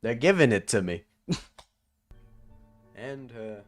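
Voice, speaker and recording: A young man casually commentating over his own video, laughing often, swearing and now and then yelping loudly. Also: mid-range voice, very animated, slow, faint music behind. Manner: laughs often, swears, bursts into loud yelps. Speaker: video essay creator doing live commentary.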